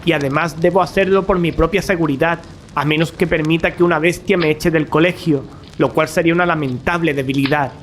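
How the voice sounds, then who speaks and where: Actor as resolute young student, higher-pitched male voice. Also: steady tone, slight background noise, natural voice. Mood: grave, determined. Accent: Castilian Spanish. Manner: firm, formal, deliberate. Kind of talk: audio drama acting.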